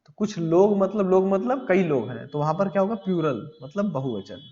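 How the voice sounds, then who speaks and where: A man teaching English grammar in a classroom style. He reads English lines slowly, explains them in Hindi, and asks questions that he answers himself. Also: high-pitched, animated, dark tone. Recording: dull lo-fi audio with long reverb.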